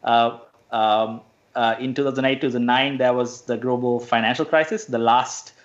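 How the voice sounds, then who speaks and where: A man's voice: mid-range voice, fairly even intonation, normal speed, dull audio. Hesitant man from Sri Lanka. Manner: hesitant, many fillers and restarts. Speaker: guest. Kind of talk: radio interview.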